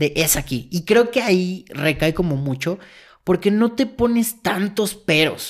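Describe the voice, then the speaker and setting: A man talks at a fairly slow pace with lively intonation. The recording is very clean, with a silent background. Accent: Mexican. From central Mexico (Querétaro). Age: 30s. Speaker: marketing professional. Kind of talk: casual chat.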